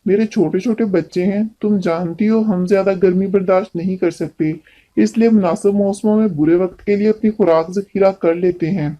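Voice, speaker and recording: Lady doing a humble little daddy ant from a kids story, low mellow voice, polite and pleading. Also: steady tone, moderate pace, natural voice. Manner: earnest, polite, beseeching. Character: humble, pleading, kind-hearted male father ant.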